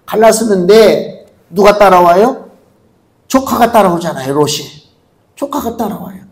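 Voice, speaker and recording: High-voiced man preaching a sermon. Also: animated, low-quality recording. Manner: conversational preaching, asks the congregation rhetorical questions; acts out quoted voices, reads scripture slowly. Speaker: pastor. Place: church sanctuary.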